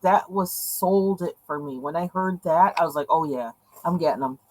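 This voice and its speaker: A woman who is losing her voice unboxes pens at her home desk, speaking at a moderate pace in a fairly low, darkish tone. She chats and rambles with plenty of fillers, filmed by a camera over the desk that shows her hands, and the audio is poor.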